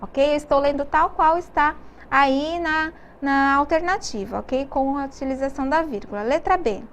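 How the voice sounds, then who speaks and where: A woman's voice: high voice, fairly bright tone, slight background noise. A Brazilian woman teaching a televised grammar lesson, explaining step by step and often checking that students follow. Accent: Brazilian Portuguese. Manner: explains slowly, with many check-in questions.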